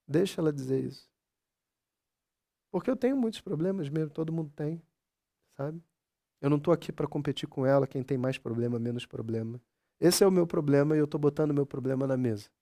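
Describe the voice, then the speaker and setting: A man speaks in a conversational talk to a live audience. His voice is gravelly and dark, sitting a little high for a man. He keeps checking in with the listeners as he goes. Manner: conversational, keeps asking "sabe?" and "você entende?"; acts out quoted dialogue with his mother. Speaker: spiritual speaker.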